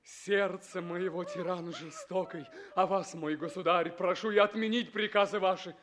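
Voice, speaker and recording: An actor playing an ardent, proud young prince, declaiming theatrically in a 1960s recording of a stage comedy. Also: male voice, high voice, fairly even intonation, normal speed, fairly bright tone. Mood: pleading, proud. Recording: 1960s radio stage recording, audience behind.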